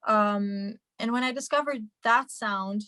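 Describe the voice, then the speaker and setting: A woman's voice: a little high, a little slow, bright, forceful tone, no room sound. A young woman from Hungary, a singer and musician, answering interview questions in a chatty way with many fillers and restarts over a video call.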